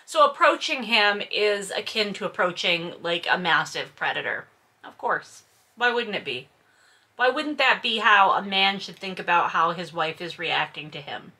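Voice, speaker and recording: Woman, bright sharp voice, mid pitch, sardonic and incredulous, casual read-along commentary. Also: lively intonation, moderate pace. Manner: casual, swearing. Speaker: host reading a book aloud with commentary. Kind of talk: reading aloud with sarcastic running commentary.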